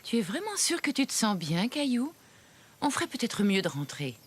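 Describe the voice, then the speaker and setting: A woman voicing a kindly, attentive mother in a preschool cartoon, gentle and reassuring with a sing-song delivery. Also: fairly high pitch, big pitch swings, normal speed, husky. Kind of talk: dubbed preschool cartoon acting. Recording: music under the voice.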